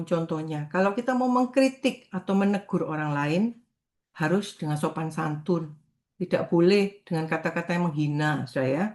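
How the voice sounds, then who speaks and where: This is a middle-aged woman evangelist delivering a morning prayer sermon. Her voice sits on the lower side, and she talks in a relaxed, conversational way. She keeps turning to her listeners as brothers and sisters, as if chatting with them. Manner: warm conversational preaching, often addresses listeners as "saudara".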